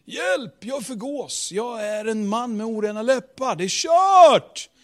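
A man voicing a terrified man crying out in despair, with loud panicked cries. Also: very high voice, lively intonation, pitched above the performer's own voice. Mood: desperate.

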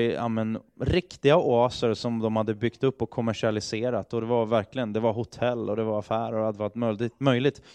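Man preaching a chatty, halting sermon. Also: medium pitch, a little mellow, no echo, studio quality. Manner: conversational, hesitant with fillers and restarts.

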